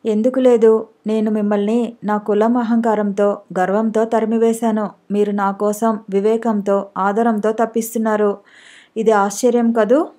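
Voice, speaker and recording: A woman voicing a frail, gravely ill young wife who pleads tearfully for forgiveness, read in an audiobook. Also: mid-range voice, little pitch movement, moderate pace, mellow, lightly acted. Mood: tearful pleading.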